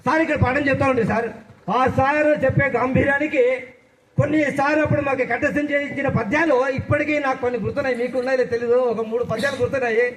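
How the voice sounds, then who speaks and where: A high-pitched man gives a reunion speech and recalls his old school days, often addressing the listeners as "sir". He recites a verse in slow, measured phrases. His voice is a little distant from the microphone. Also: fairly even intonation, a bit bright, slight background noise. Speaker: former student speaking at school reunion. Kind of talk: speech at a reunion, reminiscing and mimicry.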